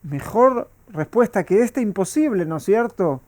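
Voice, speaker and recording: A rabbi leads a Talmud class, and his voice sits fairly high for a man. He keeps asking his listeners questions as he explains the text. The sound is close and dry. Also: expressive, normal speed, darkish tone, no room sound. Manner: asks the class rhetorical questions.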